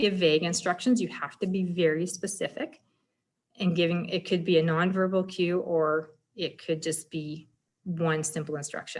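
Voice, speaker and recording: With a Canadian accent, a woman speaks at a medium pitch in a somewhat breathy voice. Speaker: special education teacher. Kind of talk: webinar presentation. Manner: fast.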